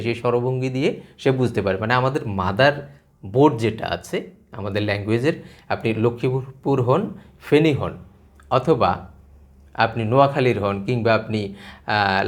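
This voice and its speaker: A man talks in an even, lecturing tone, pitched at an ordinary middle height for a man. He speaks straight to the listener and piles up one example after another as he explains. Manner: measured, lecturing, addresses listener directly with repeated examples. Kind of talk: explanatory talk to camera.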